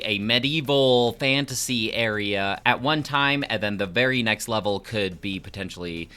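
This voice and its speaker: Bright-voiced man casually reviewing a game. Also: medium pitch. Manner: relaxed, conversational, frequent fillers.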